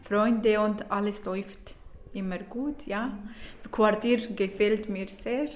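A woman's medium-pitched voice at a very slow pace, with fairly even intonation and noticeable background noise. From Syria. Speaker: participant, mother. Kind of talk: interview answers.

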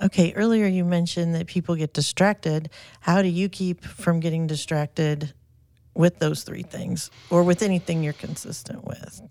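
A woman with an unremarkable speaking voice talks at a moderate pace, fairly low and with fairly even intonation. The sound is dry and close, with no echo. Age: 40s. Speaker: podcast co-host. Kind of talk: casual chat.

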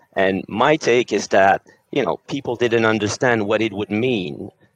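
Heard with a dry, close sound with no echo, a man with a French accent speaks at a moderate pace with ordinary pitch variation. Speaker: venture capital investor. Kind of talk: panel discussion. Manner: halting.

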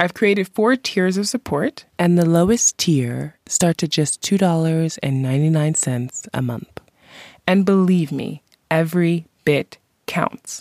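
Recorded with a dry, close sound and no echo, a woman speaks at a fairly low pitch and a fairly slow pace. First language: not Icelandic; learning Icelandic. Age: 30s. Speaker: podcast host. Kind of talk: solo podcast monologue.

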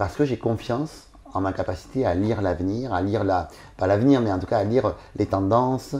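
A man against a quiet background. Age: 40s. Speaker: online entrepreneur and trainer. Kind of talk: casual interview conversation. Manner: hesitant, with many repetitions and fillers.

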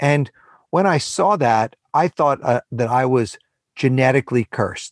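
Speaking in a plain, everyday voice with an American accent, a man talks at a fairly slow pace and medium pitch, the sound dry and close with no echo against a quiet background. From New York City. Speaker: entrepreneur and author. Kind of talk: interview.

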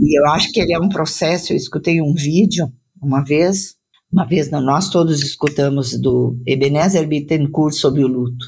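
The woman's voice is very deep and low, somewhat breathy, and very even in loudness. She moves at a moderate pace with ordinary pitch variation. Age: 60s. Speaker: widow sharing her faith story. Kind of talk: interview testimony.

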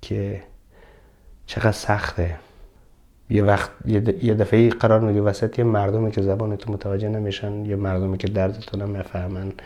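Against a very clean recording with a silent background, a man with a dark, mellow tone speaks at a moderate pace in a monotone, flat delivery broken by long, frequent pauses. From Afghanistan. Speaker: refugee rights activist. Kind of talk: interview. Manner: halting.

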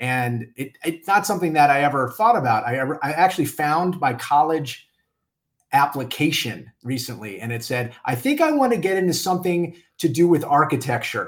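A man with an American accent speaks at a moderate pace in a plain, everyday voice. His pitch sits fairly high, and his intonation is lively. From US South, New Orleans. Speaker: real estate agent. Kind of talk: interview.

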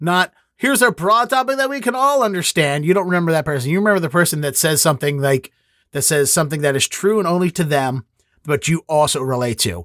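A loud man's voice, fairly high in pitch, with very wide pitch swings and a very fast pace, on a very clean recording with a silent background. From Baltimore. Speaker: stand-up comedian. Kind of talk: casual interview chat. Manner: fast talker.

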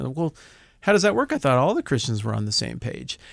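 A man with a fairly high pitch and an American accent, an ordinary speaking voice, lively intonation, and a very clean recording with a silent background. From US West, Colorado. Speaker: YouTube Bible teacher. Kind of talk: casual theological discussion.

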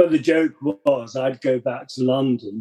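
A man's dark, mellow tone, dry and close with no echo. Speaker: psychotherapist, podcast co-host. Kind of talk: casual chat.

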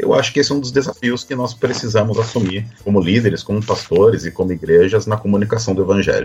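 A man with a São Paulo interior accent talks at a very fast pace with hardly any pauses, his voice fairly low. Music is playing in the background. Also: ordinary pitch variation. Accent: Piracicaba accent, noticeable. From Brazil, Piracicaba (São Paulo interior). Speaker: pastor, church planting network leader. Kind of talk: podcast discussion.

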